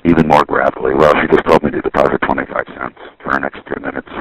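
A man's voice: a bass voice, little pitch movement, quick pace, slight background noise, rough recording. A middle-aged man talking over a payphone line from a city street, musing and rambling, often correcting himself. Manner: musing, digressive, self-correcting. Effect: heard over a payphone line. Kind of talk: rambling monologue on a phone line.

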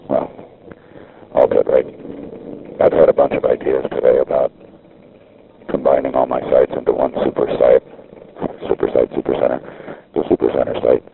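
Man, payphone call, very deep gravelly voice, tinny phone line, halting rambling talk. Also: slight background noise. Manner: halting, with frequent restarts. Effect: talking over a payphone line. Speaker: caller recording a phone message. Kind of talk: rambling casual monologue. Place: outdoor street payphone.

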